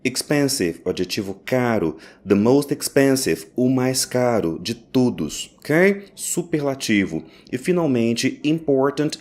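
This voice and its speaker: A man teaching English in a recorded lesson, explaining step by step and slowly repeating each phrase. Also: mid-range voice, darkish tone. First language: Portuguese.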